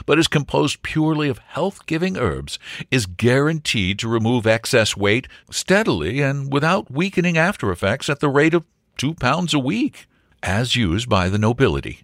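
Earnest young storybook suitor, voiced by a male reader: formal, precise sales patter, lively pitch, dry sound. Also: moderate pace, dry recording. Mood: confident, salesmanlike. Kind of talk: comic storybook reading.

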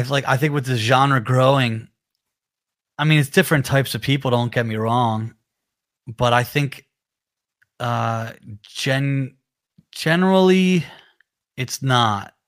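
A man's voice: mid-range voice, a bit bright. A man with a nasal voice, a musician chatting casually on a live stream, rambling and laid-back with lots of fillers. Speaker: musician co-hosting a live chat. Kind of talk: casual chat.

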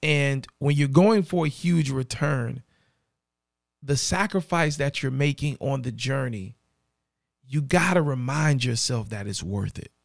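Man, raspy voice, gravelly, dry throat, earnest podcast host, addresses listener directly. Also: mid-range voice, measured pace, no room sound. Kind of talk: motivational podcast monologue.

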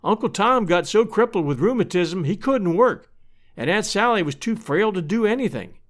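A man's voice: sits high, animated, normal speed, voice pushed up. A man voicing a cheery, kind-hearted, talkative rural married woman from a storybook, in a folksy, fretful manner. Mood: sorrowful. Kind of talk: storybook character voice.

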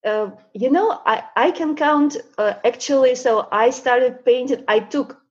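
A woman's voice: high voice, unhurried, darkish tone, highs cut off. A woman in her thirties, born in Russia with Russian as her first language, chatting as an interview guest, hesitant with many fillers. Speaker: guest, painter. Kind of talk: casual interview chat.

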